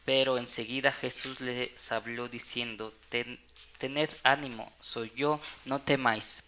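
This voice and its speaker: A man's voice: mid-range voice, steady tone, a little slow, sharp tone, a little hiss or hum. A man reading Bible passages aloud for a church audio channel, with small stumbles and restarts. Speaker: Bible reader. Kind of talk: scripture reading.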